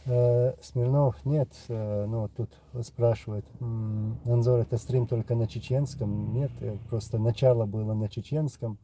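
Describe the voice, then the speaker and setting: A man with a Chechen accent, a native Chechen speaker, hosting a live stream and answering viewer questions in an unhurried way, pausing often. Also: mid-range voice, fairly even intonation, warm tone, slight background noise. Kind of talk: casual live chat reading comments.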